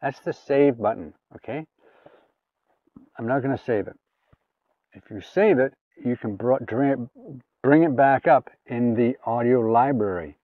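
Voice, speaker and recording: A man with a mid-pitched voice walks through a gadget in a casual, hands-on demo. He talks informally, explaining each step as he goes. The sound is thin and phone-like, with his voice a little away from the mic. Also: a little slow, pauses often, no room sound, far from the mic. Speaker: gadget reviewer. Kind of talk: casual hands-on product demonstration.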